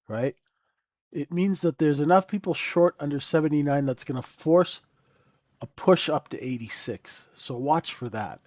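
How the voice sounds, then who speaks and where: A man's voice: fairly high pitch, dry recording, highs cut off. A man hosting a live trading room, talking through the chart with a stuffy, nasal voice and sniffling, keeps asking "right?".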